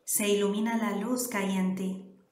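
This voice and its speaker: A woman with a Canary Islands Spanish accent guiding a meditation, giving soft, calm instructions with long pauses. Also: mid-range voice. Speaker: meditation guide. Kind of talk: guided meditation. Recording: roomy echo with soft music behind. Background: soft background music.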